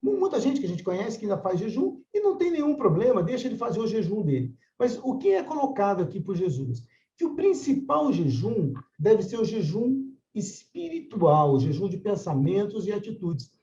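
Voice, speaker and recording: Animated older man teaching a class. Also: sits high, normal speed, reverberant, highs cut off, a little hiss or hum. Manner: conversational, frequent tag questions. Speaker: course mediator. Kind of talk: religious study class.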